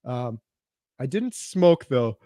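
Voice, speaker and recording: A man's voice: medium pitch, very animated, slow pace, warm tone, no room sound, studio quality. A man hosting a casual interview, asking easygoing, rambling questions that build on his guest's answers. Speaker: interview host.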